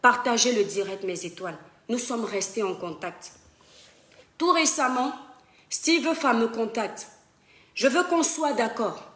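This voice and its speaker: A woman's voice: on the high side, unhurried, a bit bright, reverberant. A young woman talking straight to her viewers in an impassioned live-stream monologue. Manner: impassioned, addresses viewers as "mes étoiles". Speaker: social media live streamer. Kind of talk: emphatic Facebook live monologue. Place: home in western France.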